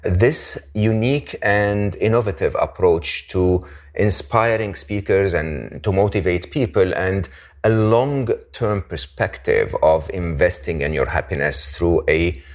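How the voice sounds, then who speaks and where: A man hosting an interview podcast, moving between scripted introduction and conversational questions. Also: sits low. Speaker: podcast host.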